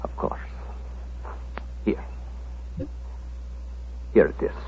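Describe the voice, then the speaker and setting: An actor playing a proud, solemn older Romany tribal leader with formal, weighty speech in a 1940s radio drama. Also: male voice, drawn-out words, slight background noise. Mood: grateful, solemn. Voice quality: very deep, husky, gravelly. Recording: muffled 1940s radio recording.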